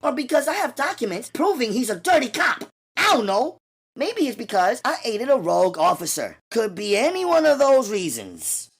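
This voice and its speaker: Brash streetwise New gal, high and lively, breathy tone, read by a male narrator. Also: full character voice. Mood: indignant. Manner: brash, rapid-fire, indignant. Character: tough streetwise young New York woman. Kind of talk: audiobook character voice.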